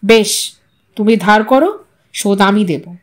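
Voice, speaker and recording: A woman's voice: medium pitch, lively intonation, slow pace, pitched below the performer's own voice. A woman voicing an anxious, proud, tearful housewife with a pleading, protesting manner in a dramatised audio story. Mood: hurt resolve.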